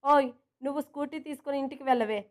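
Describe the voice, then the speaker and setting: A woman's voice: high voice, natural voice. A woman voicing a cheeky young office girl. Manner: quick, cheeky, pouting. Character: playful, headstrong young woman office worker.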